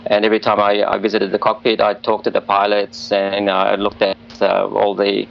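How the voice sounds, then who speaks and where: A man's voice: lowish voice, monotone, normal speed, creaky, muffled recording. A man, an airline pilot guest, answering interview questions earnestly and with many fillers from a hotel room. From Australia. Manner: earnest, hesitant with frequent fillers.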